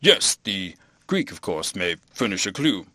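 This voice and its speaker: A man voicing a fussy, evasive, pompous vicar in an audiobook, with measured, drawn-out phrases. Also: fairly low pitch, expressive, pushed and bright, no room sound. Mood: evasive fussiness.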